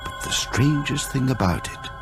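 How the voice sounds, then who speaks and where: A man narrating a classic ghost tale for a radio drama, with deliberate, dramatic literary phrasing. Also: mid-range voice, lively intonation, close to an everyday voice. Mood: hushed, suspenseful. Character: measured male storyteller of a classic ghost tale. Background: music.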